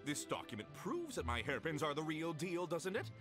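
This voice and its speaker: A man's voice: fairly high pitch, sing-song, moderate pace. Game villain: smug male merchant swindler, haughty, protesting, swooping intonation, strong music underneath. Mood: smug, defiant. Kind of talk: English video game dub acting. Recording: loud game music behind.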